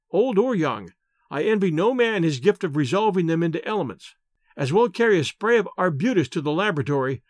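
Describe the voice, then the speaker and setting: A man's voice: on the high side, no echo, clean studio sound. A man reading scripted first-person literary narration as an audiobook narrator.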